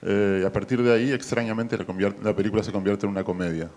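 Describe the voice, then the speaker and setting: A man's voice: fairly low pitch, fairly even intonation, quick pace, darkish tone. A man in his fifties with an Argentine accent, a film director speaking thoughtfully with many fillers into a handheld mic in a small festival room. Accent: Argentine Spanish. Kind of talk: festival press interview.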